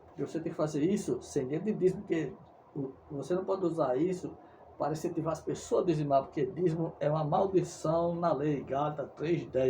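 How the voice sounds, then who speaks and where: A man's voice: on the high side, warm tone, slight background noise, rough recording. Fervent Brazilian preacher man. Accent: Brazilian Portuguese. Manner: insistent, repeats his points, stumbles over words. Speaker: evangelical preacher.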